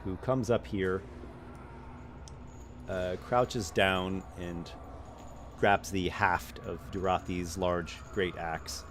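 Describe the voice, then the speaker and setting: A man's voice: low-pitched, fairly even intonation, drawn-out words, long pauses, slight background noise. A man narrating a tabletop role-playing game as game master.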